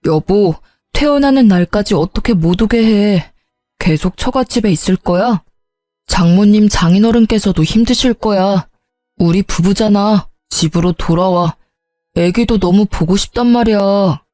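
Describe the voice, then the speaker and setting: A woman's voice: mid-range voice, unhurried, dark tone, no room sound, faint music behind, lightly acted. A woman doing a pleading young husband. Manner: pleading, apologetic. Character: remorseful young husband begging his wife.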